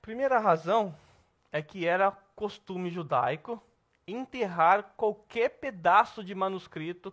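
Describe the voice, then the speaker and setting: A Brazilian man teaching a Bible class at church, lively and asking the class questions. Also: high-pitched. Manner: lively, asks the class questions, says "tá bom?" often.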